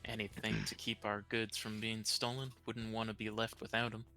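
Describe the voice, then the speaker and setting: A man role-playing as a player in a tabletop game, with measured, slightly formal phrasing. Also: lowish voice, completely flat delivery, sharp tone, faint music behind. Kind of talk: in-character tabletop role-play.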